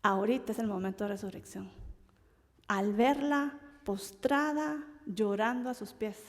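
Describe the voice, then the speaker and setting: A woman teaching a Bible study lesson in an animated way, acting out quoted voices as she goes. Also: medium pitch, a little slow, big-room sound. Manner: animated, acts out quoted voices, laughs often.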